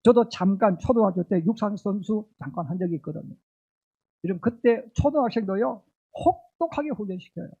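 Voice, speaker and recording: A man's voice: high voice, expressive, brisk, warm tone, slightly rough, lo-fi sound. A middle-aged male pastor preaching a sermon emphatically, with repeated rhetorical questions to the congregation. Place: church sanctuary.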